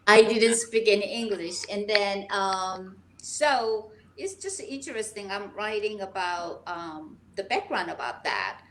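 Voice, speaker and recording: A woman with a Korean accent, a poet guest speaking eagerly and haltingly on a video call. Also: medium pitch, lively intonation, a bit bright, a little hiss or hum, low-quality recording. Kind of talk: casual video chat.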